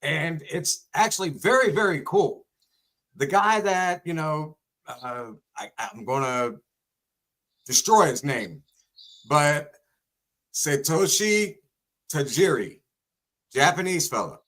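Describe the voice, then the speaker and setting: Casual male co-host with a higher voice. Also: animated, takes it slowly, long pauses, a bit bright. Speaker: talk show co-host. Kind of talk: casual chat and storytelling.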